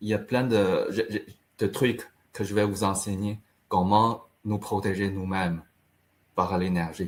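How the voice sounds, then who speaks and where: A man with a Chinese accent, fairly low in pitch, fairly slow, with fairly even intonation. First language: Chinese (speaking French). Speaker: traditional Chinese medicine practitioner and teacher. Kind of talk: interview. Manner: halting.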